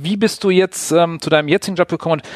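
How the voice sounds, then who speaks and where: A man at a very fast pace, high in pitch with ordinary pitch variation, dry and close with no echo, on a very clean recording with a silent background. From Wilhelmshaven, northern Germany. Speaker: podcast host. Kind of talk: casual chat.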